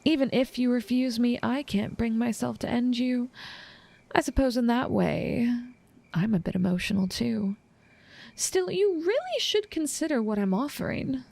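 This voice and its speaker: A woman playing an obsessive, smug assassin smitten with her target, speaking in a teasing, formal, measured and menacing way in an intimate audio roleplay. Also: fairly high pitch, animated, creaky, a little mellow, no echo. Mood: coolly persuasive.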